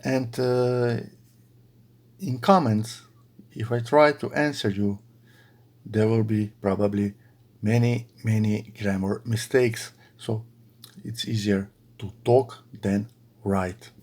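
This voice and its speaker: A middle-aged man from Slovenia with a Slovenian accent, chatting casually to his followers while he crochets at home, halting with many fillers. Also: fairly low pitch, steady tone, darkish tone. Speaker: crochet video creator. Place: bedroom at home.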